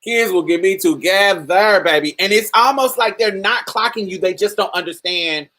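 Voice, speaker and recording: A woman with a deep voice hosting a casual podcast chat, telling stories with frequent laughter and calling the listener honey and baby. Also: normal speed. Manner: animated storyteller, laughs often, calls listeners honey and baby. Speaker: podcast host.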